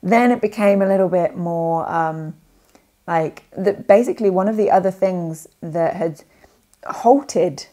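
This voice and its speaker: A woman's voice: fairly low pitch, unhurried, mellow. A young woman chatting to camera in a casual vlog, rambling with lots of fillers and self-corrections. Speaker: language learning vlogger. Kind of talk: casual talking-head vlog.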